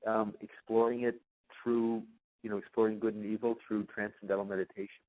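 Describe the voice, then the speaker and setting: A man's voice: lowish voice, flat delivery, fairly quick, dry recording. A man putting questions informally as an interviewer, rephrasing tentatively as he goes. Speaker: interviewer reading submitted questions. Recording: dry, muffled conference call line.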